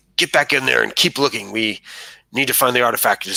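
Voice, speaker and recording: Putting on a character voice, a man talks very fast in a gruff, raspy tone at a medium pitch. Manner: commanding, gruff.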